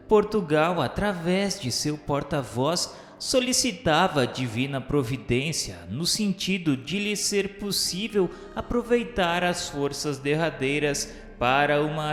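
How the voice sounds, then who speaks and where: A Brazilian man reading solemn scripted narration for a radio drama in a formal, declamatory way. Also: fairly high pitch. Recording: echoey reverberant hall sound, music underneath.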